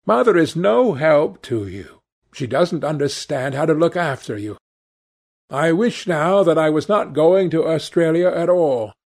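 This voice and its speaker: A man's voice: on the high side, animated, a little slow, vocal fry, a little mellow, voice pushed up, heavily acted. A man voicing a sullen sixteen-year-old boy, blunt and intense as he warns his sister. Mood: earnest.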